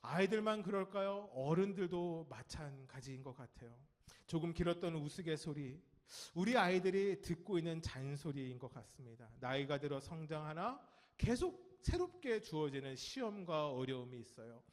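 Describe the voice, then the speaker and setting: A Korean man preaching a Sunday sermon, telling stories and speaking straight to the congregation, his sentence endings trailing off soft and low. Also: normal speed. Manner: lively storytelling with acted quotes of nagging adults; talks directly to the congregation and children. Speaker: pastor. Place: church sanctuary.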